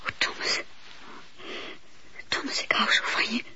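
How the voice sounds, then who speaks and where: Slow, pleading, tender wife. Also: female voice, bright, forceful tone, whispered. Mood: pleading, afraid. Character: tender, pleading, fervent wife, earnest and fearful. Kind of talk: Dutch radio play acting. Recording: dull, noisy old radio play tape.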